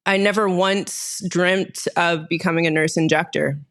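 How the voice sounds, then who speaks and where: A woman's voice: fairly low pitch, steady tone, measured pace. A woman in her thirties from Texas, a guest telling her story candidly in a casual podcast interview, often laughing as she talks. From Austin, Texas, USA. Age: 30s. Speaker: guest, nurse injector.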